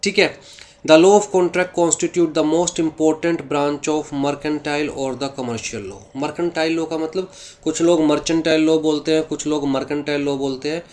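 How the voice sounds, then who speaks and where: A man teaching a law class in Hindi mixed with English. He speaks with an Indian English accent, reads English lines slowly, then explains them, often asking a question and answering it himself. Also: on the high side, steady tone, a little mellow. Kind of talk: classroom lecture.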